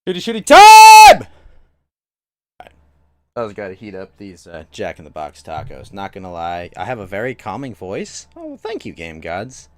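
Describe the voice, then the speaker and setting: A man's voice: on the low side, huge pitch swings, normal speed, smooth. A young man streaming games from home, chatting loosely with his chat, restarting sentences a lot. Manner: rambling, many restarts, talks to chat. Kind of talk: casual live-stream chat.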